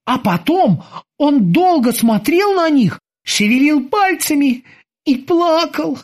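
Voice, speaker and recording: A woman voicing a timid, eager male bosun who reports in a stiffly formal, drawn-out way. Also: high voice, lively intonation, a little mellow, voice pushed up. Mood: eager telling.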